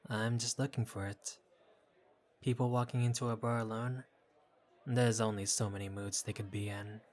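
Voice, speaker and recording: Man playing a low-voiced, flirty bartender. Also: flat delivery, moderate pace, a little mellow, lightly acted. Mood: gentle, perceptive. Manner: playful, teasing, casual. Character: flirty, easygoing, teasing male bartender chatting up a patron. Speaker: bartender character. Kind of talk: intimate audio roleplay, conversational acting.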